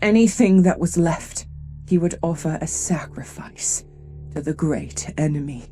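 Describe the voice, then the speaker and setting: A woman's voice: deep voice, a little slow, music in the background. A woman playing a grave, wise tribal leader in a fantasy audio drama, speaking with dramatic deliberation. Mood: grave, ominous.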